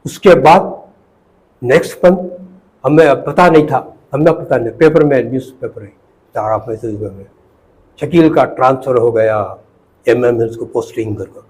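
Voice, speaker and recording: An older retired professor, reminiscing in an interview, halting and repeating words, mixing in English phrases. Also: male voice, mid-range voice, darkish tone, low-quality recording.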